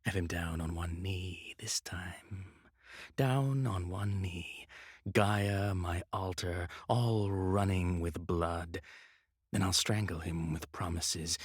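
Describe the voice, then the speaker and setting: Eerie, mournful mad mage: low, very slow, riddling and repetitive, for fantasy audio fiction. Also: male voice, slightly rough, no room sound, studio quality, heavily acted. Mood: brooding, menacing. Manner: broken, repetitive, riddling phrases. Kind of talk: dramatised audio fiction acting.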